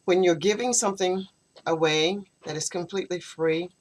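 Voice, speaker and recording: Low-voiced woman teaching over a call. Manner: explanatory, measured. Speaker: English teacher. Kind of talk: online tutoring session. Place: home, video call. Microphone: computer video call microphone.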